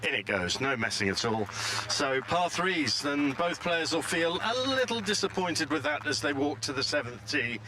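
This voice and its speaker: A man's voice: fairly high pitch, big pitch swings, normal speed, hardly any pauses. A man giving live golf commentary, describing play as it unfolds in short, descriptive phrases. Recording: faint background noise and hum.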